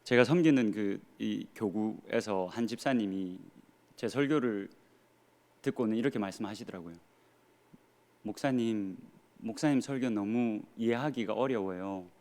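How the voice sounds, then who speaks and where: A man's voice: lowish voice, measured pace, a little mellow. A man in his thirties, a pastor with a Gyeongsang Korean accent, preaching a sermon earnestly with rhetorical questions and dry humor. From Gyeongsang region of Korea.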